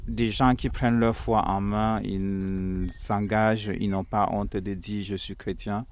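Smooth low-voiced friar. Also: male voice, flat delivery, measured pace. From Cameroon. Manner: reflective and earnest, with frequent hesitations. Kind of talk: interview answers.

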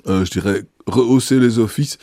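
Male bishop, interviewed; mellow, low tone, hesitant and measured delivery. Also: no echo, studio quality. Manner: thoughtful, hesitant, frequent filler pauses. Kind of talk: interview answers.

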